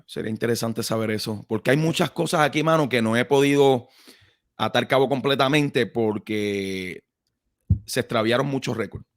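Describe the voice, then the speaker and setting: A man's voice: mid-range voice, moderate pace, no echo, studio quality. Puerto Rican man, casual researcher talk. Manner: conversational, many fillers and tag questions. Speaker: guest researcher. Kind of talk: casual conversation.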